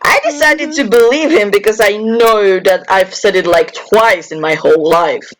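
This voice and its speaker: A woman's voice: medium pitch, moderate pace, background noise. A woman chatting casually and playfully with friends as a podcast co-host. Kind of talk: casual group chat.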